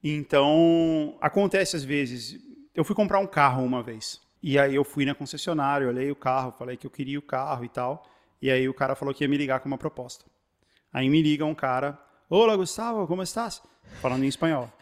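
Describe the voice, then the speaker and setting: Fast-talking Brazilian man, lively storyteller. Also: medium pitch. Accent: Brazilian Portuguese. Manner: animated storyteller, many restarts and fillers. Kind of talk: casual chat.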